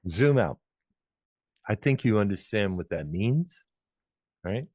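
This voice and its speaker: A man guesting on a podcast, explaining ideas in a slow, deliberate way. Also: lowish voice, animated, a little mellow, no room sound. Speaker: podcast guest, former recording engineer. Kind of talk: measured explanation. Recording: dry muffled podcast audio.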